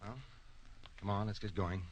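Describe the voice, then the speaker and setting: An actor playing a brisk, level-headed rocket ship commander in old radio drama style, clipped and matter-of-fact. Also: male voice, fairly low pitch, steady tone, muffled recording, natural voice. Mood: commanding. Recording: old radio recording with faint noise.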